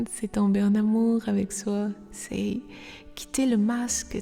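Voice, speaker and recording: With music in the background, a woman speaks at a medium pitch, very slowly, in a monotone, flat intonation. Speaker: spiritual coach and meditation guide. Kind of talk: guided meditation. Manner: whispered, soft, intimate.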